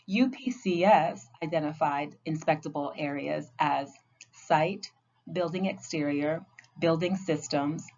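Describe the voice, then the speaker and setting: Low-voiced woman narrating a compliance training. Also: a little mellow. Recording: dull lo-fi audio.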